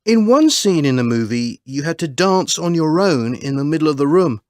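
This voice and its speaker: Low-voiced woman interviewer. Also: lively intonation, moderate pace, darkish tone, no room sound, clean studio sound. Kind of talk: scripted exam-recording interview.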